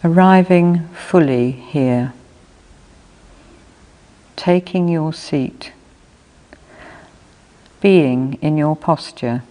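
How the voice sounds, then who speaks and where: A woman minister leading a guided meditation in measured, unhurried phrases with long pauses. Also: deep voice, mellow. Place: church. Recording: long reverb of a church hall.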